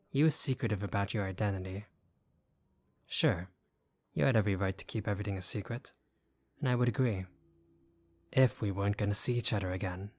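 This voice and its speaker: Wary young gangster for hire, played by a male actor, lowish voice, gruff but decent, sardonic and guarded, audio roleplay drama. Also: close to an everyday voice. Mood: suspicious, measured. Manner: guarded, sardonic, casual street talk.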